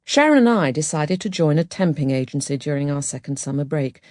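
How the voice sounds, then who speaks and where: A woman narrating an autobiography audiobook in a measured, expressive storytelling manner. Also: low voice, no echo, studio quality. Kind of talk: scripted memoir narration.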